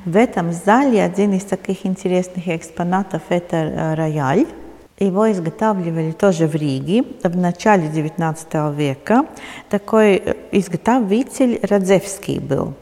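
A woman's voice: on the low side, moderate pace, warm tone. Woman tour guide in a reverberant hall. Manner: hesitant non-native Russian phrasing. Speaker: museum guide.

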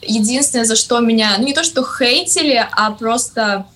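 A woman's voice: fairly high pitch, moderate pace, a bit bright. A young woman talking casually in an interview, with a speech impediment that keeps her from pronouncing a hard R. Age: young adult. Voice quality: cannot roll a hard Russian R. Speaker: TikTok content creator, guest.

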